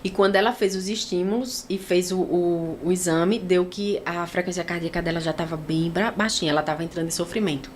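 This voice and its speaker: A woman from Brazil telling an emotional personal testimony as an interview guest, acting out what others said in lively voices. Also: fairly low pitch, brisk, few pauses, slight background noise. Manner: animated storytelling, acting out other people's lines.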